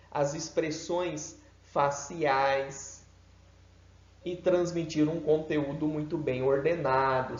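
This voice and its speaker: Slow, emphatic Brazilian man teaching. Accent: Brazilian Portuguese. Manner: emphatic, deliberate, swings pitch and loudness for effect. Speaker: seminary teacher. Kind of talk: homiletics lecture. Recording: echoey room, dull lo-fi sound.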